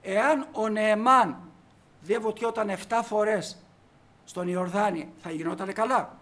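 Male preacher with a high voice, delivering a sermon with force and rhetorical questions. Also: a bit bright. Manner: emphatic, asks the congregation rhetorical questions.

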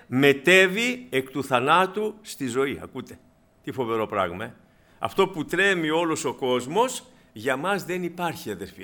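A man delivers a fervent sermon in a meeting hall, addressing his listeners as brothers. His voice sits a little high for a man. He climbs into loud emphatic bursts and drops into quiet asides. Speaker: preacher.

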